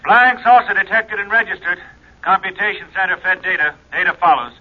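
A precise radar technician from vintage science fiction radio, rattling off readings formally and in clipped phrases. His voice is high for a man. The sound is dull and lo-fi. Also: fairly quick. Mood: urgent, formal. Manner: formal, clipped recital of figures. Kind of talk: 1950s radio drama acting. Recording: dull, lo-fi 1950s radio recording.

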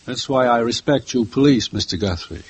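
A man's voice: mid-range voice, moderate pace, husky, natural voice. Older male jeweler, fussy, courteous, stammering, played by a man for 1950s radio. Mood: grim, vengeful. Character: old male jeweler, polite, fussy, quietly vengeful. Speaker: jeweler, murdered girl's father. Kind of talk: 1950s radio drama acting.

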